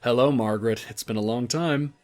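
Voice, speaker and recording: Smug male loan shark, played by an actor, medium pitch, taunting, falsely courteous audio drama villain. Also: fairly quick, darkish tone, close to an everyday voice. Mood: smug, needling. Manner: mockingly formal, condescending, theatrically coy.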